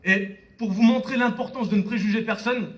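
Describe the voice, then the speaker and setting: With a voice that sits high and has a fairly bright tone, a man in his early twenties speaks at a moderate pace during a motivational stage talk at a network marketing conference. Sharing personal anecdotes, he addresses the conference hall audience directly and keeps checking in with them, recorded live from afar.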